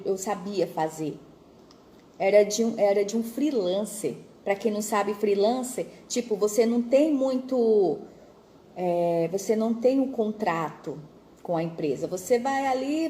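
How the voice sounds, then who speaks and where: Mellow-voiced Brazilian woman telling a faith story. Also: medium pitch, a little hiss or hum, rough recording. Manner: conversational, addresses listeners directly. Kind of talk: religious storytelling.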